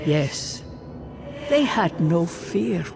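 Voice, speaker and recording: A woman's voice: on the low side, sing-song, vocal fry, full character voice. A woman voicing a stern, grieving ancient ghost guardian in a fantasy game, speaking in a grave, formal way. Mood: bitter grief. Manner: grave, formal, measured storytelling. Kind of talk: fantasy video game voice acting. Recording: music behind the voice.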